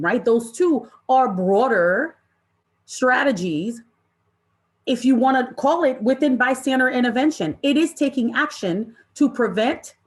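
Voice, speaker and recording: A woman presenting an interactive online training session in an impassioned, deliberate way, with emphatic repetition and rhetorical questions. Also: fairly high pitch. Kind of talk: impassioned interactive workshop talk to an online audience.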